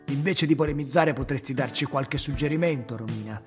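A man's voice: mid-range voice, brisk, over music, voice pushed up, lightly acted. Brief: man voicing an annoyed, curt adventurer in a storybook. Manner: irritated and curt.

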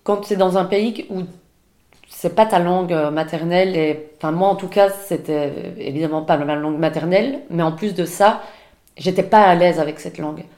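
A woman's voice: fairly low pitch, normal speed, a little mellow. A woman from Belgium, a podcast guest, talking casually and hesitantly with many restarts. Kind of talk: casual conversation. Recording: roomy echo.

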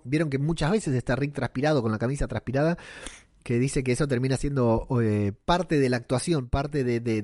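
Un hombre con acento rioplatense argentino que comenta una serie en tono charlado, con muchas muletillas y frases que retoma. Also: male voice, mid-range voice, darkish tone, dry recording, clean studio sound. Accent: Argentine Rioplatense Spanish. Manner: rambling, colloquial, many fillers and restarts. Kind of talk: casual commentary on a TV series.

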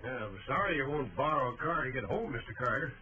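An actor with a rural American accent playing a folksy, plain-spoken small-town sheriff in a 1940s radio drama. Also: male voice, mid-range voice, lively intonation, quick pace, over loud music, natural voice. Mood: grateful, amused. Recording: distant, muffled old 1940s radio recording.

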